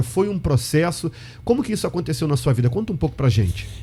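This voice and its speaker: With lively intonation and a fairly high pitch, a man talks in an unremarkable speaking voice. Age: 40s. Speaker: pastor and podcast host. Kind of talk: interview.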